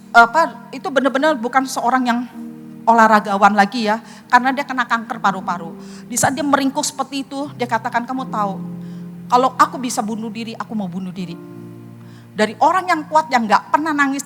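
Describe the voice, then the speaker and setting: A middle-aged woman pastor with a high voice delivers a sermon, weaving a personal story into her preaching. She speaks earnestly and turns to the congregation directly. Soft music plays faintly underneath. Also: fast talker, big-room sound.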